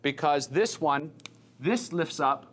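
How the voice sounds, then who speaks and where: An American man teaching an engineering class informally, asking students quick questions and repeating their answers. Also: on the high side, animated, a bit bright, a little hiss or hum.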